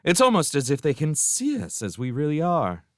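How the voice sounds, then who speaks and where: A man's voice: on the high side, wildly swooping pitch, moderate pace, no echo, clean studio sound, voice pushed up. A man reading aloud, voicing a shifty spirit disguised as a street orphan, speaking in a sulky, whiny way. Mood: sulky complaining.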